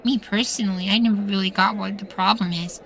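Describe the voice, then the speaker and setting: A woman's voice: medium pitch, fairly even intonation, a little fast, creaky, some chatter behind. A woman playing a meek, sweet young boywife in a futuristic ASMR roleplay, hesitant and full of trailing questions. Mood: gentle, wondering. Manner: hesitant, soft-spoken pleading, trailing questions.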